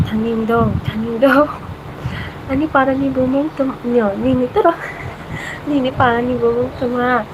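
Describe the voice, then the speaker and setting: A woman's voice: fairly high pitch, background noise. A young woman from Bangladesh, a vlogger chatting casually on a live stream, answering viewer comments and laughing often.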